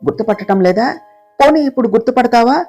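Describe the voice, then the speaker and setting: A woman voicing the vengeful ghost of a murdered young woman, speaking in a lowered, menacing, taunting voice. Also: fast talker, warm tone, faint music behind, lightly acted.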